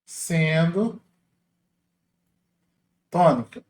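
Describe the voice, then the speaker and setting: A man walks through exam questions as a teacher, in a casual, explanatory way, slowing down to spell out syllables. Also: a little high, expressive, echoey room. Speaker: Portuguese teacher.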